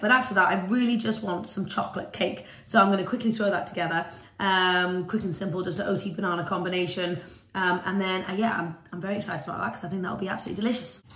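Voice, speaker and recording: The speech goes at a very fast pace, with audible echo in the room. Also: woman, ordinary pitch variation. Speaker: food vlogger. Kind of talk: casual vlog chat. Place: kitchen. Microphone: phone near.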